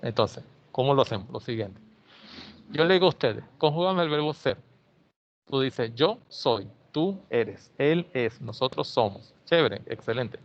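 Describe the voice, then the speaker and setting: A man's voice: medium pitch, expressive, a little slow. A male English teacher, explaining grammar in an online class and often checking in with "ok?". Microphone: video call. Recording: slightly dull video-call audio.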